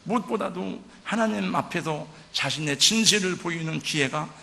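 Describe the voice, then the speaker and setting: A man's voice: high voice, normal speed, vocal fry, bright, forceful tone. An older man, a pastor, preaching a sermon in a church with vivid, emotional storytelling. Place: church sanctuary. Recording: church hall reverb.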